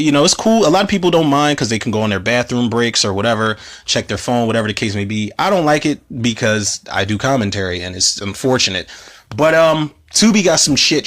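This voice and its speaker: A man with a slightly hoarse voice, hosting a casual movie commentary podcast, rambling and cursing as he talks. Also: medium pitch, a bit bright. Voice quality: rambling, profane, self-interrupting.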